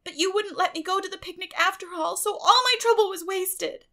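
Storybook orphan girl, high-pitched, dramatic, gushing, flowery, imaginative. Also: fairly quick, pushed and bright, full character voice. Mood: weary, explaining.

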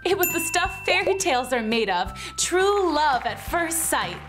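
A woman hosting a children's story time, narrating in an animated storytelling style. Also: high-pitched, measured pace, over music.

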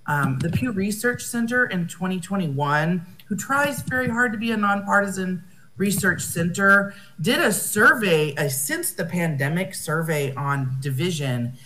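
A woman's voice: fairly low pitch, measured pace, sharp tone, low-quality recording. An American woman speaking at an academic conference over a video call, thoughtful and often rephrasing herself. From United States.

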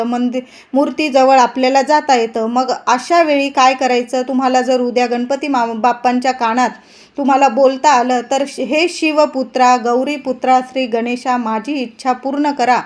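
A woman with a Marathi accent giving earnest, step-by-step devotional advice to women viewers, stressing each instruction again and again. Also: high voice. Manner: earnest, instructive, repetitive emphasis. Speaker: devotional video host.

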